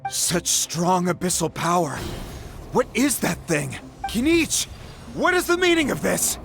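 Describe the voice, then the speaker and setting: An earnest tribal chief from a video game, protective in temper. His voice sits high for a male and rises and falls expressively. Music is clearly audible behind him. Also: huge pitch swings, measured pace, heavily acted. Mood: alarmed.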